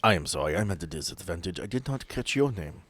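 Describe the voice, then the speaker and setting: A man voicing a measured, detached male asylum doctor who talks in a formal, precise way. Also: deep voice, animated, fairly bright tone, husky, dry recording, voice pushed down, full character voice. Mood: coolly formal.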